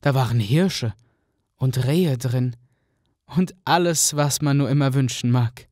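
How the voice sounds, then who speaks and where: A man narrates a fairy tale in an even, storytelling manner, and his voice sits at a middle pitch. The recording is dry and close, with no room sound. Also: measured pace, no room sound.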